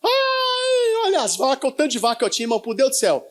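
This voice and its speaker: Man doing a sobbing old farmer, high wail. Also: wildly swooping pitch, fast talker, fairly bright tone, full character voice. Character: weeping old male farmer mourning his cows.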